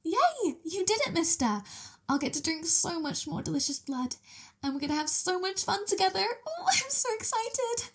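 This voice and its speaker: A woman playing a childlike, excitable vampire mistress in an ASMR roleplay, with a gleeful, teasing, innocent manner. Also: very high-pitched, moderate pace, heavily acted. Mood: giddy, excited.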